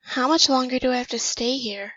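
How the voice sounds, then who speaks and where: High, theatrical scheming mirror clone played by a woman. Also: a little fast, fairly bright tone, dull audio. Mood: awkward. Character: mirror-born female clone, quirky aspiring world conqueror. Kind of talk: amateur audio drama acting.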